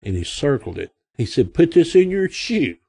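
A man's voice: fairly high pitch, sing-song, normal speed, creaky, darkish tone, husky. Folksy Arkansas man in his sixties. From Arkansas, USA. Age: 60s. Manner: folksy, rambling, acts out quoted voices. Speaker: guest. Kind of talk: casual storytelling.

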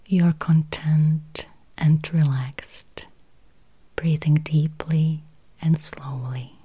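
A woman guiding a meditation in a soft whisper, counting and repeating slow, gentle phrases. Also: deep voice, steady tone, breathy edge. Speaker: meditation guide. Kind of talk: guided meditation.

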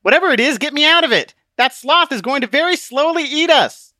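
A man's voice: very high voice, very animated, a little fast, sharp tone, dry recording, studio quality, voice pushed up, full character voice. A man voicing a panicky, exasperated male quest hero who pleads urgently in an audiobook story. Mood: panicked.

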